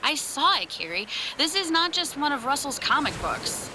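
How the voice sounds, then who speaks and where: A woman's voice: sits high, very animated, moderate pace, sharp tone, a little hiss or hum, heavily acted, rough recording. A woman playing a stunned, demanding young wife who gains superpowers in an audio drama. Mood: insistent. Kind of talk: acted audio fiction dialogue.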